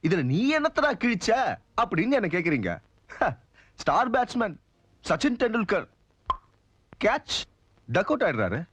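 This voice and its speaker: A swaggering, sarcastic police officer in a dubbed action film. His voice sits high and leaps about as he mocks the people around him. The sound is dry and close. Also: moderate pace, long pauses, breathy edge, dry recording, heavily acted. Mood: mocking. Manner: mocking, swaggering, lively delivery. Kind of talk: Tamil film dub dialogue.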